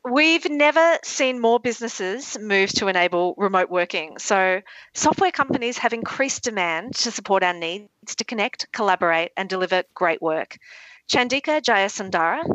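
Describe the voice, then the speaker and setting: A woman's voice: medium pitch, expressive, normal speed, fairly bright tone, no echo, lo-fi sound. A woman presenting a live radio interview, upbeat and encouraging.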